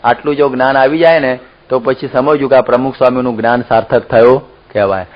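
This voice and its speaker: A man's voice: mid-range voice, fairly even intonation, fast, muffled recording. A man giving a religious discourse as a preacher, telling stories with acted-out quotes and laughs.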